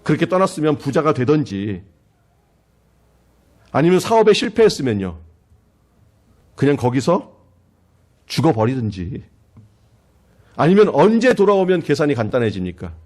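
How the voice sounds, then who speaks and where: Animated Korean pastor preaching dramatically. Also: male voice, a little high, moderate pace, pauses often. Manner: dramatic, acting out quoted voices with rising intensity. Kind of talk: sermon. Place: church.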